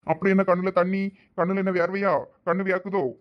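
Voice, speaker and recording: A man with a Thoothukudi Tamil accent acting in a village comedy sketch, with fast, pleading, joking banter. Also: high-pitched, little pitch movement, dull audio. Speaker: comedy skit actor.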